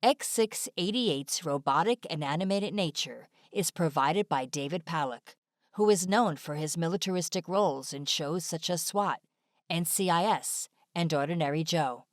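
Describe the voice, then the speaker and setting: Low-pitched woman narrator, very dry sound. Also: normal speed, no room sound. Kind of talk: scripted informational narration. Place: dry studio-like voice-over recording.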